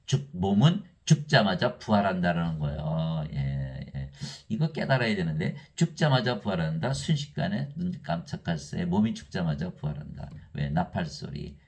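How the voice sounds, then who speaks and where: Low-voiced man preaching a sermon. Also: animated, moderate pace, gravelly, hardly any pauses, darkish tone. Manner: preaches with rhetorical questions and frequent affirming "yes"; chuckles between points. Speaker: pastor.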